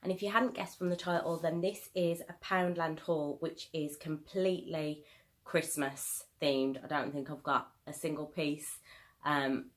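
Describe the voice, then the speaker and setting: A woman, a bit croaky from a cold, chatting casually through a shopping haul video with frequent ums. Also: deep voice, steady tone, a little slow. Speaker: YouTuber.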